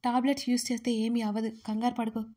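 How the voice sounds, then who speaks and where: A woman voicing a stern, short-tempered young man who scolds loudly and speaks curtly. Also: on the high side, flat delivery, quick pace, close to an everyday voice. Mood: worried. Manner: scolding, loud and curt.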